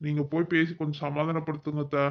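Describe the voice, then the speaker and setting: A man's voice: fairly high pitch, completely flat delivery, fast, muffled recording, lightly acted. A man voicing a middle-aged village father in a cartoon, with a Kongu Tamil accent, patient and persuasive. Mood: persuading.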